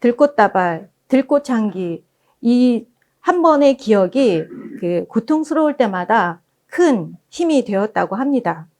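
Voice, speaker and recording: Woman reading from a book, soft storyteller feel, voice sits a bit high. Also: very animated, measured pace. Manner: gentle storytelling, acting out quoted lines. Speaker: book forum presenter.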